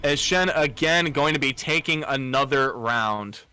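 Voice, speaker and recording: A man giving analytical play-by-play commentary on a competitive video game match, steady and full of "uh" fillers. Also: medium pitch, unhurried, clear, resonant tone, faint music behind. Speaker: esports commentator.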